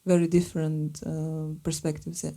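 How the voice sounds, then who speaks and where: A woman speaks as a filmmaker on a live panel. Her voice sits low and sounds deeply mellow and dark. She talks thoughtfully and pauses to search for the right words. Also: little pitch movement. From Slovenia. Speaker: filmmaker and artist guest.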